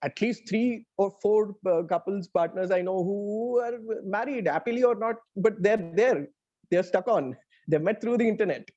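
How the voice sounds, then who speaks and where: A man with an Indian accent talking reflectively in a casual interview as a writer, often pausing to search for words. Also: sits high, a little mellow. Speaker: interviewed audio playwright. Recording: dull, band-limited audio.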